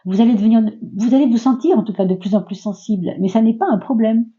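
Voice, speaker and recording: A woman's voice: on the high side, fast, warm tone, lo-fi sound. A woman giving a casual, reassuring tarot reading to her viewers, talking loosely with many fillers. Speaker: tarot reader.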